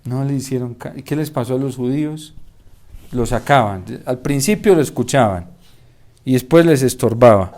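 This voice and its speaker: A man's voice: mid-range voice, normal speed. A man with a Colombian accent, a Catholic priest giving a homily, telling stories and checking with the congregation as he preaches. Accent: Colombian Spanish. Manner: storytelling, rising to impassioned near-shouting; asks the congregation "¿sí?" to check they follow. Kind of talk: sermon.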